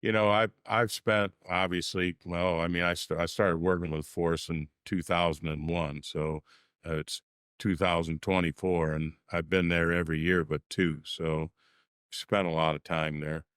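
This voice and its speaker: Middle-aged guy, deep and even, smooth tone, lots of "you know", dry sound. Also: no echo. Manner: halting, filler-heavy, matter-of-fact. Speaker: racing crew chief, guest. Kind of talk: casual interview answers.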